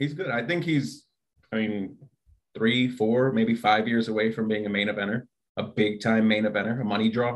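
A man talks in a plain, everyday voice at medium pitch, with ordinary pitch variation and a moderate pace. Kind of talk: casual chat. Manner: blunt, profane.

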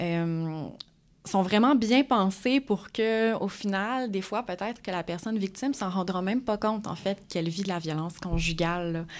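In an ordinary speaking voice, a woman talks at a fairly slow pace with a medium pitch and ordinary pitch variation. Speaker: sexologist. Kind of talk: interview.

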